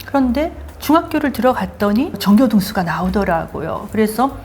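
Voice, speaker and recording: An older woman hosting her own show, telling her life story in a lively, self-mocking way. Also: medium pitch, normal speed, faint music behind. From Daegu, South Korea. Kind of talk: casual storytelling chat.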